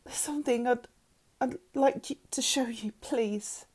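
Desperate, emotional mum played by a woman for audiobook dialogue, higher register, intense and expressive. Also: moderate pace. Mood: apologetic, subdued. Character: anguished birth mother, desperate, pleading, emotional. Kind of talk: dramatised audiobook character dialogue.

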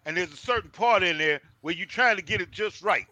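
A man's voice: high-pitched, animated, brisk, sharp tone, slight background noise. A man who used to DJ, telling stories in an emphatic way during a casual chat. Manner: emphatic storyteller. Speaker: guest, former DJ.

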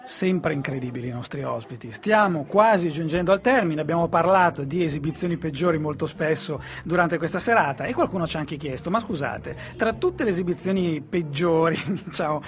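A man's voice: a little high, animated, a little fast, hardly any pauses. A man hosting a radio show in casual chat, rambling and repeating his phrases as he goes.

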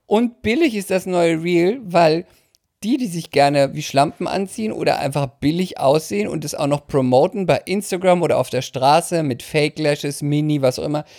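A woman co-hosting a podcast, chatting in a dry, teasing, deliberate way. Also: deep voice, darkish tone. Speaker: podcast co-host. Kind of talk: casual chat.

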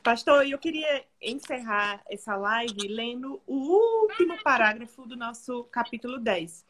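A woman's voice: on the high side, lively intonation, a little slow, fairly bright tone. A woman hosting a live church program, inviting guests and wrapping up. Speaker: host.

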